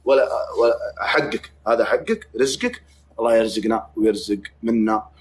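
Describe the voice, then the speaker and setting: A man's voice: lowish voice, normal speed, a little hiss or hum. A man with a Saudi accent hosting a livestream, chatting casually with joking, mock-threatening banter. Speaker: livestream host.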